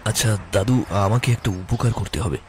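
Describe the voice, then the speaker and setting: A man plays a polite young scholar in a horror radio drama. His voice is on the low side. There is clear noise behind him. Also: normal speed, darkish tone, close to an everyday voice. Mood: earnest request. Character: polite young male researcher asking a favour. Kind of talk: Bengali audio horror drama acting. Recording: noisy background.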